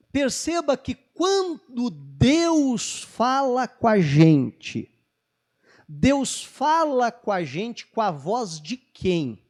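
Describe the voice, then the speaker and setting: A man preaching a sermon as pastor, joking with the congregation and acting out Bible dialogue. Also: sits high. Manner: lively, jokes with the congregation, acts out Bible dialogue.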